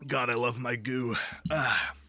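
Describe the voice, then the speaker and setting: A man with a mid-range voice, level tone and measured pace hosts a livestream set to ambient background music. He alternates casual conversation with reading aloud, keeping things playful, irreverent, profane and full of jokes.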